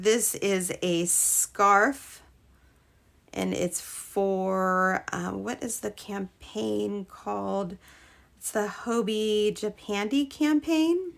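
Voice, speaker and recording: A woman hosting a casual live crochet stream, chatting with viewers, her voice a little hoarse from a cold. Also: medium pitch, pushed and bright. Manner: chatty, greets viewers, trails off and restarts. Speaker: crochet livestream host.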